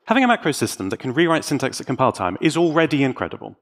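A man's voice: mid-range voice, very animated, racing. A man giving a technical conference talk in a playful, enthusiastic manner, with rhetorical asides. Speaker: conference speaker and tech YouTuber. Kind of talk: live technical presentation.

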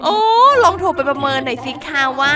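A young woman giving excitable, laughing commentary while playing a life-sim game, often exclaiming to her viewers. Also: high-pitched, fairly quick. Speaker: gaming YouTuber. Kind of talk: Let's Play commentary. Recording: music bed behind the voice. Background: game music.

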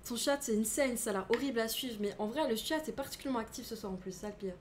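A young woman on a live stream, rambling and laughing as she answers viewers from her home setup. Her voice sits a bit high, and a faint hum of room noise hangs behind her. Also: fast talker. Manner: rambling, laughing, loose and chatty.

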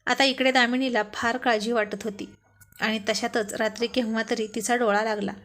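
A woman narrating a serialized love story in a steady, plain storytelling manner. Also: fairly high pitch, moderate pace.

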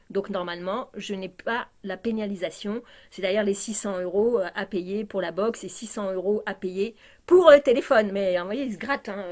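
A woman's voice: mid-range voice, a little mellow. A woman vlogger ranting in a casual monologue, indignant and exasperated, with many fillers and restarts.

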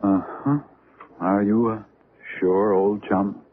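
A man's voice: lowish voice, fairly even intonation, takes it slowly. A man acting in a 1970s radio drama as a wry, skeptical rival with an understated manner. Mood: wry, challenging. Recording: tinny, noisy old radio drama recording.

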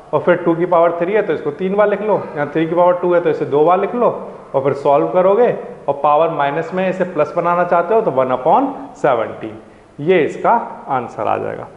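A man's voice: on the high side, roomy sound, big-room sound, dull audio. A man teaching a maths lesson, patiently walking students through each step and checking they follow. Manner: patient, repeats "ठीक है ना" to check understanding; calls students "प्यारे बच्चों" affectionately.

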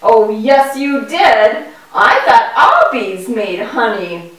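A woman voicing a curious, naive young boy puppet in a children's show, with wide-eyed, exaggerated and deliberate delivery. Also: on the high side, sing-song, very noisy. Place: indoor puppet stage, far from the mic. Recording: echoey room, distant microphone.

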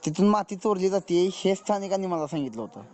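A man's voice: high-pitched, expressive, quick pace, a little mellow. A man in his twenties with a rural western Maharashtra accent, a local reporter defensively but deferentially explaining himself on a phone call. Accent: rural western Maharashtra Marathi. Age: 20s. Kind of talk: phone conversation.

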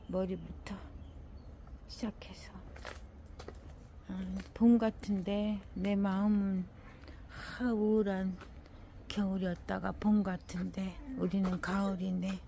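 Older woman, home garden vlog, slow unhurried talk, gravelly mellow voice, sighs and murmurs to plants, faint noise behind. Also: medium pitch, level tone. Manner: murmurs to her plants, frequent sighing exclamations.

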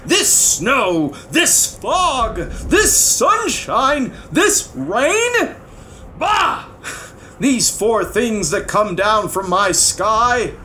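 A man's voice: very high voice, very animated, extremely slow, bright, forceful tone, a little hiss or hum, voice pushed up, exaggerated voice. A man voicing an angry, imperious old king in a storybook, growling and bellowing as he stretches out his words. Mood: grumbling anger.

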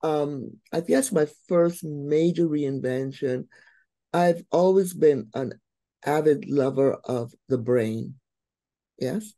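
A middle-aged woman from Barbados, a guest on a video call who tells her life story with warm, expressive emphasis. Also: sits low, slow pace, dry recording. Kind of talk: interview storytelling.

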